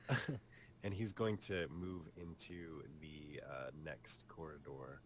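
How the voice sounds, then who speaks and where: A man playing a tabletop roleplaying game, describing his character's actions in the third person with deliberate phrasing. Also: very deep voice, fairly even intonation. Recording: clear background noise on mic.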